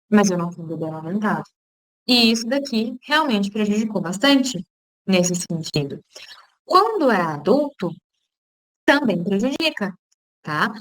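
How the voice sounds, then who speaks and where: A woman's voice: on the high side, fairly bright tone, no echo, low-quality recording. A woman who is a speech therapist, explaining in an informal online lecture and checking in often with listeners, with a Brazilian Portuguese accent. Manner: casual, explanatory, frequent "tá?" check-ins.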